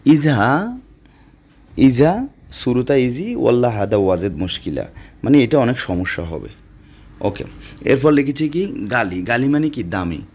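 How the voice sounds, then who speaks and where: A man teaching Arabic phrases in a casual spoken lesson, repeating words slowly and lecturing his viewers. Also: medium pitch, sing-song, darkish tone, breathy edge.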